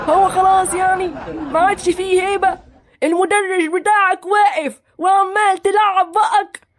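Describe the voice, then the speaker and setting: A woman voicing a stern, old-fashioned male schoolteacher who speaks with an Egyptian accent and a blustering, strict manner in a cartoon. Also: very high voice. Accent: Egyptian Arabic.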